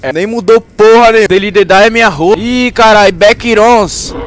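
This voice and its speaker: A young man with a Brazilian Portuguese accent, doing loud, profane gameplay commentary and jumping between yelling and muttering. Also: sits high, moderate pace, no room sound. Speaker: gaming youtuber.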